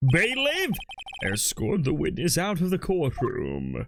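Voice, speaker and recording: The pace is fairly slow. What we hear is a put-on character voice. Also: man, high pitch for a man. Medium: fan dub. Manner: formal, authoritative.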